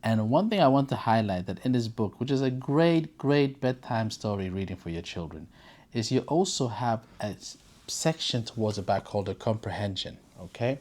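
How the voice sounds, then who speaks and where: A storyteller reading aloud for children and chatting casually to viewers in an expressive, informal, encouraging way. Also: mid-range voice, normal speed. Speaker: storyteller and presenter.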